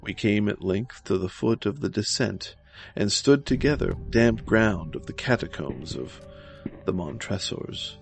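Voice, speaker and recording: Male gothic horror narrator: very slow, measured, dramatic, creaky low voice, soft music underneath. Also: expressive. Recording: music behind the voice.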